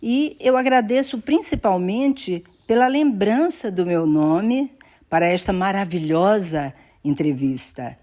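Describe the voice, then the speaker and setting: A woman's voice: mid-range voice, lively intonation, unhurried, warm tone. A woman giving formal closing remarks as an interview guest, in courteous, carefully worded phrases.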